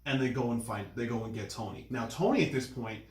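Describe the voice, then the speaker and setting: A man's voice: mid-range voice, fast, darkish tone. A man explaining a film's plot in casual podcast talk, often repeating and rephrasing himself. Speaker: podcast co-host recapping a film. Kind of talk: casual film discussion and plot recap. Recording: echoey, roomy recording.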